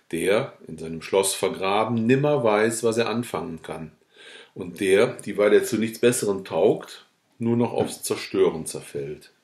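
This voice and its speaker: A man with a low voice reads a literary novel as a dramatic audiobook. He swings from hushed murmurs to loud, theatrical bursts, and his voice rings in a roomy space. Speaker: audiobook reader. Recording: roomy echo.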